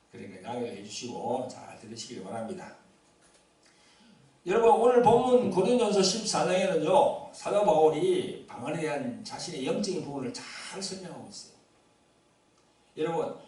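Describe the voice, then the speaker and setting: 울림 큰 교회에서 설교하는 경상도 남자 목사. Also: male voice, a little high, a little mellow. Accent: Gyeongsang Korean. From Gyeongsang region, Korea. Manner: conversational preaching with congregation responses and asides. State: seated due to an injured ankle. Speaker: pastor. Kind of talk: sermon. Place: church sanctuary. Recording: very echoey church hall, somewhat distant mic.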